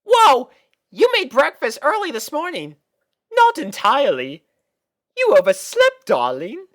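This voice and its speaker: A woman playing refined cartoon lady pony, theatrical, prim, fussy, raised pitch, highly animated. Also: a little slow, full character voice. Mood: coaxing. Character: refined, dramatic, fussy young woman pony, elder sister.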